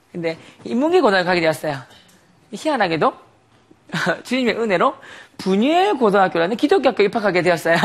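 A man's voice: high voice, a bit bright. A man giving a sermon testimony, telling a story animatedly with frequent laughter and rhetorical questions.

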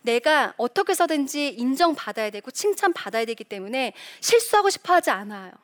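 A middle-aged woman, once a reporter, gives a lively faith-based talk full of rhetorical questions. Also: high voice, brisk. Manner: animated, acts out quoted voices. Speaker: Christian speaker, former reporter.

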